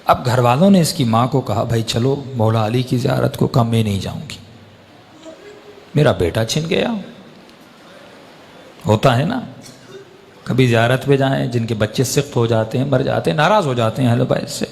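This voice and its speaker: A man's voice: mid-range voice, creaky, a little mellow, a little hiss or hum. A man preaching an emotional sermon, telling a story with rising impassioned peaks. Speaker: religious preacher. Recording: long hall reverb.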